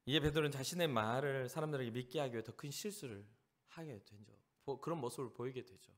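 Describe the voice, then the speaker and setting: A man from Jeolla, South Korea, preaching as a pastor at a youth service, animated and acting out the people he describes. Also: medium pitch, fast. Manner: animated, acts out the lines of the people in the story.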